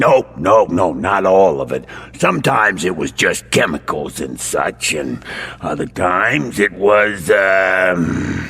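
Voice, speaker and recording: A man's put-on character voice, raspy and very deep, at a fairly slow pace over light background noise. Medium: audio drama. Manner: hesitant, ungrammatical street talk.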